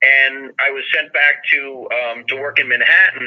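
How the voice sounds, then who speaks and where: A man with an American accent speaks at a fairly slow pace. His intonation is monotone and flat, his pitch fairly high. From New York and New Jersey. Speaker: film writer and producer. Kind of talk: radio interview. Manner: halting, many repetitions and fillers.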